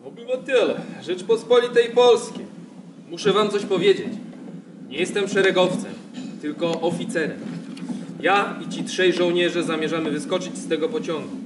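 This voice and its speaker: A man's voice: sits high, normal speed, natural voice. A man playing a commanding Polish army officer in a radio drama, urging his comrades to escape. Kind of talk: live radio drama rehearsal. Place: large radio studio hall, far camera. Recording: echoey noisy hall, distant camera mic.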